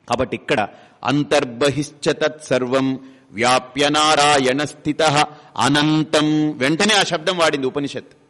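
A man's voice: fairly high pitch, a bit bright. A man giving a spiritual discourse, asking rhetorical questions and briefly acting out everyday speakers. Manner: rhetorical questions, acts out householders' quotes. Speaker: spiritual teacher. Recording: long hall reverb.

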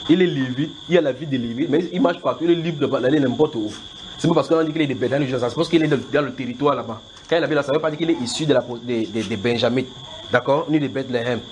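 A man's voice: mid-range voice, quick pace, a little mellow. Cameroonian man teaching, noisy recording. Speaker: Bible teacher answering questions. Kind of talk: informal Bible teaching, question and answer. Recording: clearly noisy amateur recording.

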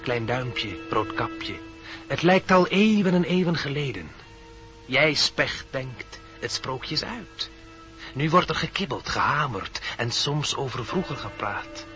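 A man's voice: mid-range voice, expressive, slow pace, over music. A man voicing a wise, solemn deer in a radio play, speaking in cryptic, poetic incantations. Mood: solemn, foreboding. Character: wise, solemn male deer, oracle of old dreams. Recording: dull vintage radio recording.

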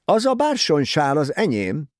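A man's voice: on the high side, huge pitch swings, a little mellow, no echo, studio quality, pitched above the performer's own voice. A man voicing a snobbish, indignant elderly woman in an audiobook reading. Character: haughty elderly American lady, snobbish and indignant.

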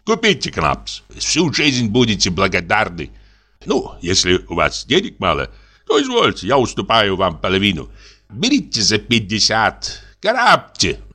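A boastful army lieutenant of middle years, all bluster and wheedling charm, swooping up into excited highs, as a man reads him out. The voice has a bright, forceful edge. He hawks his beloved dog with theatrical outrage and flattery. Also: a little slow, exaggerated voice.

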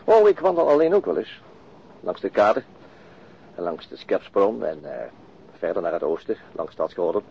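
An actor playing a pensive, plain-spoken police detective in a radio drama, understated and conversational. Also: male voice, lowish voice, very animated, normal speed. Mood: wistful. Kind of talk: naturalistic radio drama dialogue. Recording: muffled radio drama recording, clear background noise.

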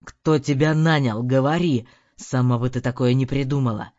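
A woman voicing an angry, hungover burly husband with a hoarse, growling voice. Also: very deep voice, normal speed, lo-fi sound, voice pushed down. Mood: furious. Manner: shouting furious threats.

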